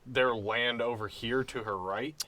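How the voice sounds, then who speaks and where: A man's voice: mid-range voice, fairly even intonation, measured pace, over a noisy crowd. A man playing a tabletop game, chatting casually and thinking his moves out aloud, somewhat hesitantly.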